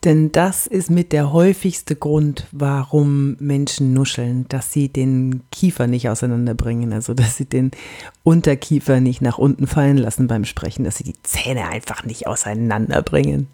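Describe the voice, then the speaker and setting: A woman from Franconia hosting a coaching podcast, animated and emphatic, with whispered asides. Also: rumbling low, normal speed. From Franconia, Germany. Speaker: podcast host and body-language coach.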